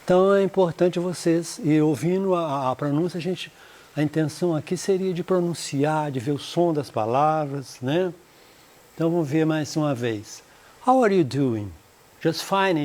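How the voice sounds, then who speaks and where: A man with a Brazilian Portuguese accent teaching English in a recorded lesson. He explains slowly and says the English words with care. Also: on the high side, a little mellow.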